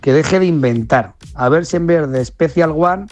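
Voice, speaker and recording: A man calls in to a sports radio show with blunt, mocking advice. His voice is slightly high for a man, with faint music under it. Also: normal speed, lo-fi sound. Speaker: caller.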